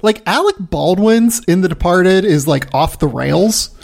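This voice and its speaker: A man's voice: sits high, expressive, measured pace, vocal fry, darkish tone. A man hosting a podcast in casual chat, talking loosely and repeating words. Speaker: podcast host.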